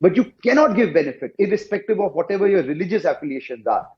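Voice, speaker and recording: A man speaking as a panelist in a televised debate, insistent and forceful, with a loud voice. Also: high voice, big pitch swings, fast talker, dull audio.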